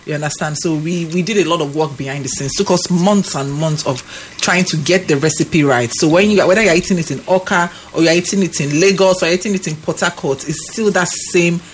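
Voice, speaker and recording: A woman's voice: fairly low pitch, a little fast, few pauses, a little hiss or hum. A woman chef, a guest on a radio show, explaining things and checking in with "you understand?". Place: radio studio.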